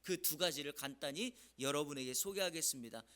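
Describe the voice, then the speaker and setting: A man's voice: fairly high pitch, a little fast, sharp tone. A male pastor giving an early-morning sermon in a church, often putting questions to the congregation with emphasis.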